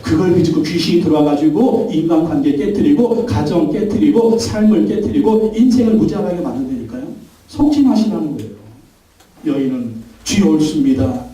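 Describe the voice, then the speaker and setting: Pastor, male, high-pitched and emphatic, preaching a sermon; recorded from afar in a booming church hall. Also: lively intonation, brisk, mellow. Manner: emphatic preaching with call-and-response. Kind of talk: Sunday sermon. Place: large church sanctuary. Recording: very echoey church hall, mic at a distance.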